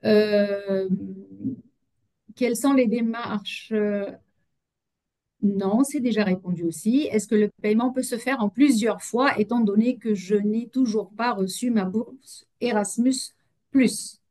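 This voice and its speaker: A woman's voice: on the high side, takes it slowly, dark tone. A woman moderating an online webinar, reading out audience questions with frequent hesitations. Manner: hesitant, many fillers.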